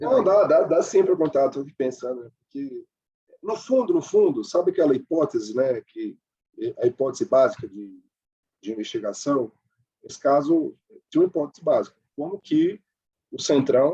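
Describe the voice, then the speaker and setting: The man's loudness swings widely as he talks at a moderate pace with long, frequent pauses. The sound is dry and close, with no echo. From Recife, Pernambuco, Brazil. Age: young. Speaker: newspaper reporter. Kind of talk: interview. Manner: halting.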